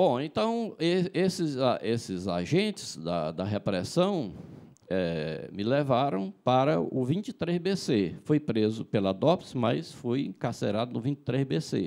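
Against a quiet background, a man speaks very slowly in a dark, mellow tone with very wide pitch swings. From Brazil, Ceará (Fortaleza); Ceará, Brazil. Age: 60s. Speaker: former political prisoner and militant; witness. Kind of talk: testimony. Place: meeting room. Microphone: handheld.

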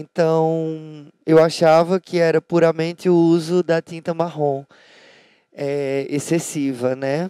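A woman's very deep, low voice, very slow and monotone, with a dark, mellow tone, dry sound with no echo and a quiet background. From Ceará, Cariri region (Juazeiro do Norte), northeastern Brazil; Ceará, Brazil. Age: 20s. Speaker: visual artist. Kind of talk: artist talk. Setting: stage. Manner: halting, many fillers. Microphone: handheld.

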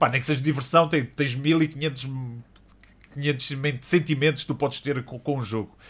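A man's fairly high, somewhat breathy voice with a European Portuguese accent and fairly even intonation. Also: moderate pace. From Portugal. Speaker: gaming podcast host; podcast host. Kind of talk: casual chat; casual podcast interview conversation. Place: home room. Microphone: studio mic.

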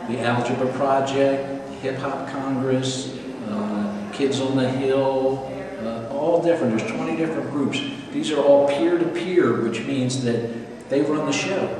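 Strong room echo and noticeable background noise surround a man's medium-pitched voice, which has ordinary pitch variation. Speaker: community organizer and advisor. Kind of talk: casual interview. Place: classroom. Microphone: camera far.

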